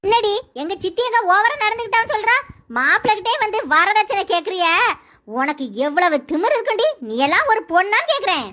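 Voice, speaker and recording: A woman voicing a scheming, scolding female relative in a family drama, sharp and scornful. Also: extremely high pitch, lively intonation, brisk. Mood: accusing.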